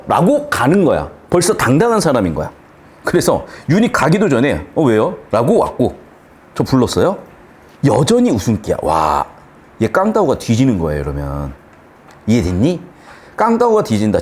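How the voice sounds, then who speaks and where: A man teaching a literature lesson for exam students, talking bluntly with slang and the odd swear word. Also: medium pitch. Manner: animated, blunt, slangy and profane. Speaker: Korean language teacher. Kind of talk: exam-prep literature lecture.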